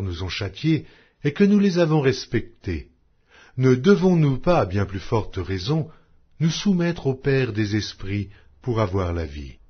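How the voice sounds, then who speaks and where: A man narrating an audio Bible as a scripted reading, in a solemn, measured, carefully articulated manner. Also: medium pitch, husky, dull audio.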